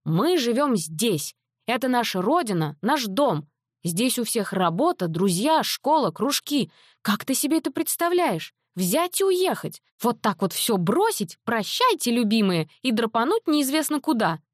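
A woman voicing a frantic, scolding middle-aged mother in an audiobook, her delivery shrill and exasperated. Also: big pitch swings, measured pace, no room sound, clean studio sound. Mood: indignant. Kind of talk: audiobook character voice.

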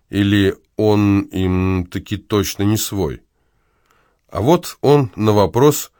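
A man's voice: fairly low pitch, no room sound, clean studio sound. A man reading his own essay aloud in an ironic, argumentative way.

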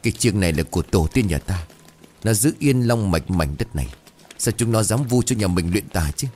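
A man's voice: on the low side, lively intonation, brisk, a little mellow, a little hiss or hum, natural voice. A man voicing a defiant young son. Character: young man in his thirties, defiant and grieving.

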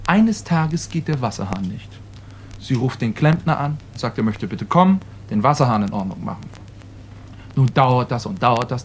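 A man's voice: medium pitch, slight background noise. A male comedian telling jokes in an anecdotal style, jumping in and out of character voices. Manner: anecdotal storytelling, jumps into voices. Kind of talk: stage joke telling.

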